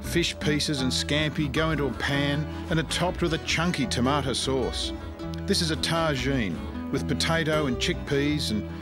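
Australian man, cooking show host, voice-over narration, easygoing, loud guitar music behind. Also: a little high, normal speed. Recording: music bed under the voice-over.

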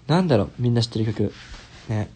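A man's voice: on the low side, animated, quick pace, darkish tone, a little hiss or hum. Young Kansai man chatting on a livestream. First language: Japanese. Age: 20s. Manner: chatty, switches into simple English phrases. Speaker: stage actor hosting a livestream. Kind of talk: casual livestream chat, reading out viewer comments. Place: small indoor bedroom or hotel room. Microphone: phone held close while lying on a bed.

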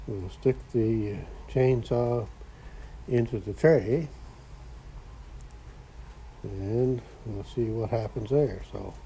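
A man's voice: medium pitch, dark tone, slight background noise, low-quality recording. A man rambling in a folksy way while filming in his cluttered home workshop garage. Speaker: vlogger. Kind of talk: casual workshop vlog.

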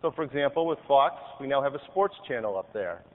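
A man giving an upbeat live software demo on a conference stage, clicking through features as he talks. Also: mid-range voice, lively intonation, brisk. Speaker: product demonstrator on stage. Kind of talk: live keynote product demo. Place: large convention hall stage. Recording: tinny, hall-reverb archive video of a keynote.

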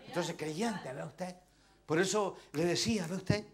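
Impassioned Chilean pastor, high voice. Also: male voice, a little slow, breathy edge, some chatter behind. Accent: Chilean Spanish. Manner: impassioned, swinging between shouts and near-whispers; calls out to the congregation with rhetorical questions. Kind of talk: sermon.

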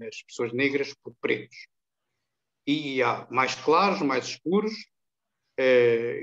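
An older man from Angola, a guest in an interview over a video call, telling anecdotes in a calm, chatty way. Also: medium pitch. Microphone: webcam on a video call. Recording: dull, lo-fi video call audio.

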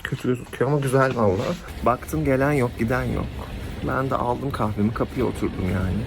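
A man's voice: mid-range voice, steady tone, fairly quick, vocal fry. A young man chatting casually to the camera in an office for his vlog, laughing often. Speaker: vlogger. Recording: noisy background.

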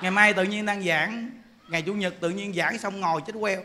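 A man's voice: sits high, fairly even intonation, a little fast, background noise. A man in his forties with a Southern Vietnamese accent, giving a dharma talk in a joking, laughing way full of rhetorical questions. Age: 40s. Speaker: Buddhist monk preacher.

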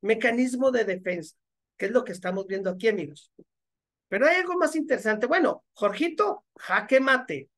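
A man's voice: very high voice, animated, moderate pace, fairly bright tone. A man giving mocking, sarcastic commentary as he reads out viewer comments. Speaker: religion critic commentator.

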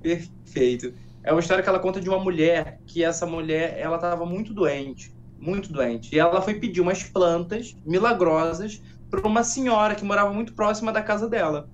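Gentle storytelling man, slightly raised voice. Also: high voice, brisk, few pauses, muffled recording, slight background noise. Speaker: guest, educator and storyteller. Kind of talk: studio interview, telling a folk tale.

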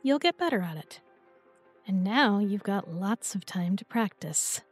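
A woman's voice: mid-range voice, lively intonation, measured pace, breathy edge, faint music behind. A young woman playing an affectionate, teasing new girlfriend in an intimate roleplay audio, with a playful, tender, coaxing manner. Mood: reassuring, affectionate.

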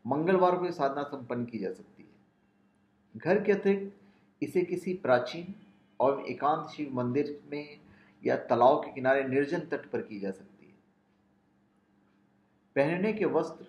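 Slow, deliberate man reciting mantras. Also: mid-range voice. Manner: measured, listing names one by one in a chanting cadence. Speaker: spiritual channel host. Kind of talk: explaining a ritual and reciting mantras. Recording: roomy, dull lo-fi sound.

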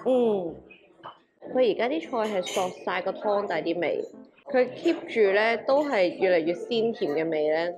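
A young woman with a Hong Kong Cantonese accent, narrating a travel vlog in a chatty, excitable way and exclaiming over food. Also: mid-range voice, normal speed. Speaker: travel vlogger. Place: restaurant table, indoors. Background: background music.

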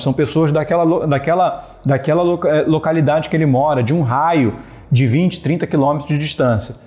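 Man, 30s, from Brazil, slightly high voice, business coach talking to camera, animated, earphone mic. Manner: animated, gesturing, steady talk punctuated with "né?" and "beleza". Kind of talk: direct-to-camera business advice. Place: small indoor room with wooden slat wall. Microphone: wired earphone headset mic.

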